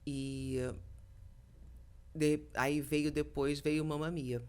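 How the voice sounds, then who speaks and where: Lively middle-aged woman telling stories. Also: deep voice, drawn-out words. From Brazil. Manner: lively storytelling, acts out quoted dialogue. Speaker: voice actress, guest. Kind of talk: podcast interview chat.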